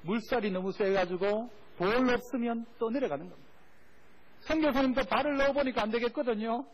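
Male preacher, high-pitched, quizzing the congregation; muffled recording. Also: brisk. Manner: call-and-response preaching, asks the congregation questions. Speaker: pastor. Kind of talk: sermon. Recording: dull lo-fi recording.

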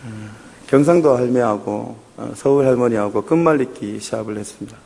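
A man's voice: mid-range voice, a little fast, creaky, warm tone, big-room sound. A male pastor giving a sermon and leading a scripture reading, speaking earnestly and addressing the congregation directly. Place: church sanctuary.

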